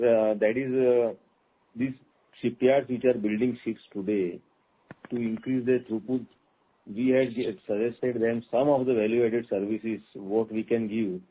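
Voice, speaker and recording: A man's voice: mid-range voice, husky. A man with an Indian accent, a company executive explaining things in answer to investors on an earnings call, often restating his points. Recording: muffled, dull conference call line.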